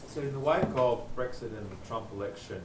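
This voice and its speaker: A man posing a halting, academic question as an audience member, picked up from a distance in a noisy, echoey room. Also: medium pitch.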